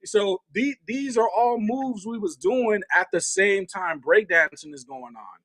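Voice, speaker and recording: A man in his early forties co-hosting a hip hop podcast, telling stories in an animated, nostalgic way. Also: high-pitched, a little slow, dry recording. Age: early 40s. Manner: animated, nostalgic storytelling with laughs. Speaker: podcast co-host. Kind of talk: casual chat.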